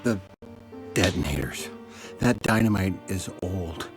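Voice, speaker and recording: An actor playing an earnest, anxious captive prison warden in a video game, speaking with urgency. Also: male voice, deep voice, expressive, unhurried, music in the background. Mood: anxious pleading. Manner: hushed, urgent. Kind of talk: video game cutscene acting.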